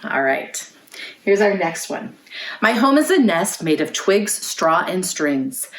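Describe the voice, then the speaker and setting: A woman hosting a children's storytime, reading aloud in clear phrases and putting questions to young listeners. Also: lowish voice, very animated, slow. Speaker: children's librarian, storytime host. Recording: roomy, echoey indoor sound.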